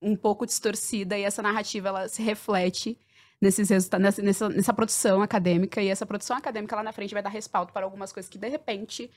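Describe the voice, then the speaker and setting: A woman in her thirties, a sociology researcher, talking on a podcast panel in an animated, emphatic, jokey way. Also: mid-range voice, fast.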